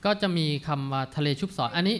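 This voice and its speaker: A man gives a seminar talk on old poetry. He recites the verses slowly, one line at a time. Then he explains the wording patiently and politely. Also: a little high, fairly bright tone, clear, resonant tone. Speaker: academic panelist.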